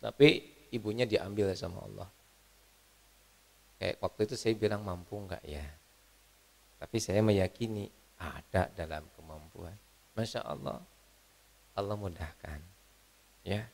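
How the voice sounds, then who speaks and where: A man preaching an online Ramadan sermon, moving between loud fervent exhortation and soft, intimate talk. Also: low voice, measured pace, gravelly, long pauses, big-room sound. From Indonesia.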